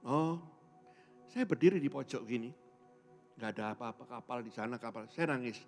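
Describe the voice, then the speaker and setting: Faint music plays behind this Indonesian man, a pastor telling his story as a sermon testimony at normal speed in a mid-range voice. He moves lively between loud and soft passages and imitates the voices of others.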